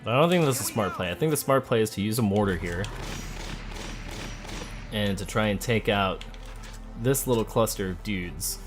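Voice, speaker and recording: Male let's play host, lowish voice, conversational and thinking aloud, light music behind. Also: animated, moderate pace, pauses often. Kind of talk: casual game commentary. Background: game music.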